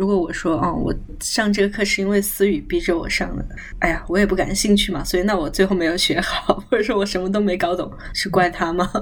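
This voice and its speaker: Amid noticeable background noise, a woman with a medium pitch speaks at a fairly quick pace with ordinary pitch variation. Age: 20s. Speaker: podcast co-host. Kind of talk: casual chat.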